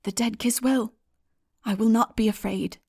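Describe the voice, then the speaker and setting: A woman's voice: on the high side, fairly even intonation, moderate pace, mellow, slightly rough, no room sound, clean studio sound. Woman acting an earnest, melancholy young wanderer. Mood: hushed resolve. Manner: earnest, declamatory. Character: anguished young man wandering enchanted lands, pleading, melancholy. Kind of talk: dramatic audiobook acting.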